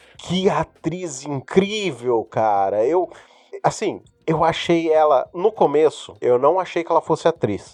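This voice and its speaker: At a very slow pace the speech unfolds with music in the background. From Brazil, Southeast. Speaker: podcast co-host. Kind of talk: casual chat.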